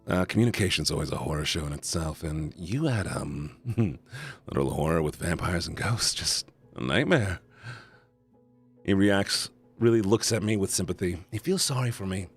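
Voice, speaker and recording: Streaming live, a man narrates a visual novel and breaks off into casual comments to his chat as he reacts. He speaks at a moderate pace in a low, husky, expressive voice, while faint music plays behind him.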